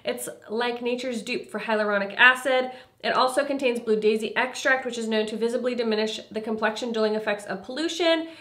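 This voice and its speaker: A woman's voice: a little high, brisk. A young woman reviewing a foundation in a casual vlog, congested and a little nasal, chatty with lots of fillers. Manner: chatty, filler-heavy, trailing into quiet asides. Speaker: beauty vlogger. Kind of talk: casual product review and makeup demo.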